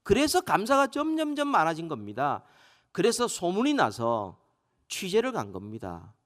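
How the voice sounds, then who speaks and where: A male pastor preaching a sermon in a church, stressing key words by rising louder and slowing down. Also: high voice, wildly swooping pitch. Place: church sanctuary. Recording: long reverb of a church hall.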